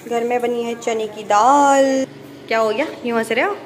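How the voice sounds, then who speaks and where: A woman's voice: fairly high pitch, steady tone, moderate pace. Chatty young woman vlogging on a noisy phone. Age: young adult. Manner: chatty and playful, talks to pets and family. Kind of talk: casual home vlog. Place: at home, indoors and on the rooftop. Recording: noisy home phone recording.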